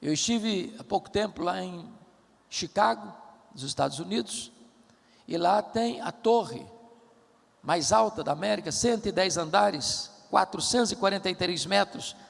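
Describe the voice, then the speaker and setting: A man with a Brazilian Portuguese accent preaching a sermon in a church, with emphatic storytelling and drawn-out stressed words. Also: high voice, expressive, gravelly, fairly bright tone. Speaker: pastor. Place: large church auditorium. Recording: reverberant church hall.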